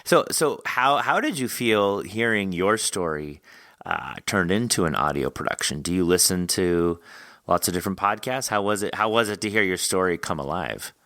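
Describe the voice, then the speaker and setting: A man's voice: low voice, animated, moderate pace, pushed and bright, no echo, clean studio sound. A man hosting a podcast interview, talking casually and emphatically.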